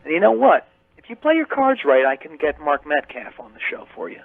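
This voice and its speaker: A man's voice: a little high, very animated, a little fast, creaky, no echo. A man calling in to a radio show and teasing the host in a needling, mock-bossy way, his voice coming over a thin phone line. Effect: voice heard over a phone line on a radio broadcast. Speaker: caller. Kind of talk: call-in radio banter.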